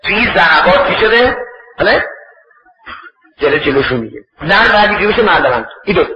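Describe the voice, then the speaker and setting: High-voiced preacher telling an emotional story. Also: male voice, very animated, pushed and bright. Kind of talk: storytelling sermon. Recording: distant, roomy, dull sermon recording.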